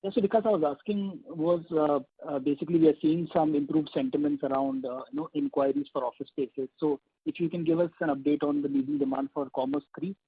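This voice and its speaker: A man's voice: on the high side, steady tone, fast, few pauses, breathy edge, no room sound. A man with an Indian accent, a financial analyst, puts questions to management on an earnings call. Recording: tinny, dry phone line.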